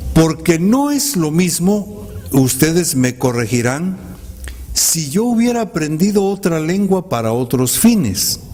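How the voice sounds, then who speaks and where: Slow, reflective man in a reverberant hall. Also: sits high, darkish tone. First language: Mayan language. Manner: measured and thoughtful, polite asides to the audience, occasional hesitant fillers. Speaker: guest poet speaking to an audience. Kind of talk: reflective commented poetry talk. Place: public library hall.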